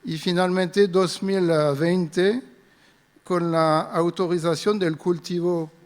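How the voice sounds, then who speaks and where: A man's voice: sits high, little pitch movement, slow pace. A middle-aged man with a French accent, speaking Spanish as a second language and giving a careful, hesitant conference talk. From France. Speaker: invited speaker, wheat breeder. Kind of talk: conference presentation. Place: conference hall. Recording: long reverb of a large hall.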